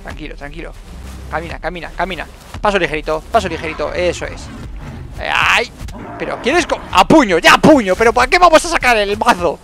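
Brief: high-pitched man with a gravelly edge, calling out gameplay in excited repeated bursts, faint game noise behind. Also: faint music behind. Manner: excitable, repeats words in rapid bursts, talks to himself. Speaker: gaming YouTuber. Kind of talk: live gameplay commentary.

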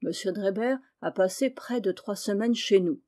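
A woman's voice: mid-range voice, moderate pace, dark tone, lightly acted. A woman reading the part of an anxious, respectable middle-aged landlady in an audiobook, agitated and pleading.

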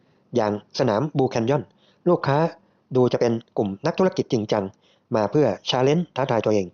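A man voicing a bright young woman assistant from the north, soft and gentle, explaining her ideas politely. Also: medium pitch, lively intonation, brisk, lo-fi sound, natural voice. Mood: gently explaining.

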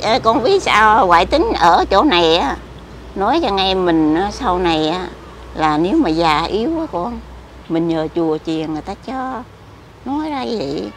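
Gravelly old woman. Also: medium pitch, slight background noise. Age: older. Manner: rambling, repetitive complaining. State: frail, weak. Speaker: interviewee. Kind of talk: casual chat. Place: outdoors near a cemetery.

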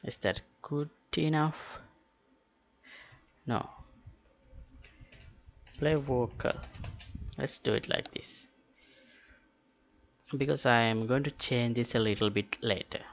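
A man giving an unscripted software tutorial, halting as he thinks aloud. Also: medium pitch, lo-fi sound. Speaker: tutorial host.

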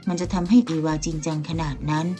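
A woman calmly narrating a romance audiobook over faint background music. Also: deep voice, fast talker. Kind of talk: scripted narration of a romance novel.

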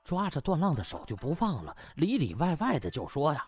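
Guy reading a funny audiobook, super lively swings in pitch, music behind him. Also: brisk, slightly rough. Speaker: audiobook narrator. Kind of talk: animated comic storytelling. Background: background music.

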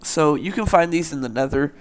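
A young man hosting a let's play, talking loosely with lots of fillers, his voice a bit raspy from the morning, at a desktop mic at home. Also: fairly high pitch, fairly quick, low-quality recording. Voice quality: loose, rambling, filler-heavy. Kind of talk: casual gameplay commentary.

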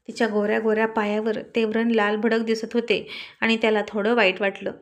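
A woman narrates a serialized family romance aloud, reading expressively. Her voice sits fairly high, and she drops English phrases into her telling. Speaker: storyteller. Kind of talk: storybook narration.

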